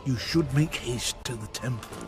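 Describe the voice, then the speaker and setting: An actor playing a wise, grave elder maker in a video game, solemn and reverent. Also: male voice, mid-range voice, normal speed, over music, lightly acted. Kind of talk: video game cutscene acting.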